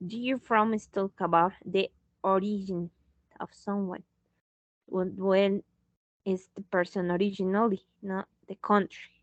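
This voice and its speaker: Slow-talking woman English teacher. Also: mid-range voice, fairly even intonation, no room sound, dull audio. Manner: slow, patient, switching into Spanish to explain. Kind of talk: online English lesson.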